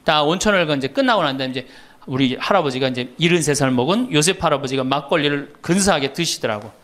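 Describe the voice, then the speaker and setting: A middle-aged Catholic priest with a fairly high, fast voice gives a humorous lecture. He's an animated storyteller who teases the audience with questions and laughs often.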